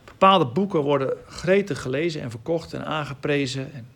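A man's voice: on the high side, normal speed, gravelly, a bit bright. A man giving informal Bible teaching in Dutch, reading scripture aloud and explaining it with emphasis.

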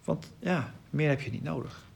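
Man, Bible study teacher, emphatic and explanatory, gravelly voice pitched on the high side. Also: moderate pace. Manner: emphatic, reads and explains scripture at length.

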